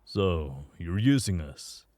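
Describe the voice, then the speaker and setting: Guy playing a gruff suspicious werewolf, lowish slow talker, dry close sound, blunt, audio drama. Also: big pitch swings, a little mellow, no echo, heavily acted. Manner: blunt, indignant. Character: gruff, distrustful forty-year-old werewolf.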